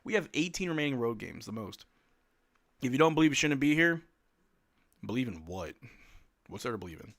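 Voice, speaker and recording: A man hosting a live watch-along stream, giving play-by-play commentary and joking reactions as an excitable fan talking to his chat. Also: medium pitch, brisk, long pauses. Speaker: livestream host.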